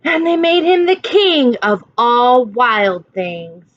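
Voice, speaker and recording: A woman teacher reading a picture book aloud to children, expressive and dramatic, with drawn-out phrases. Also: a little high, lo-fi sound. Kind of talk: expressive picture-book read-aloud with questions to young listeners.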